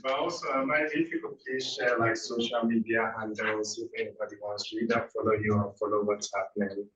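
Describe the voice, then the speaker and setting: A man moderates a class session, prompting the guest with brief questions. He sounds far from the mic in an echoey room, with a dull, muffled tone. His voice sits on the low side. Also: steady tone, brisk, a bit bright.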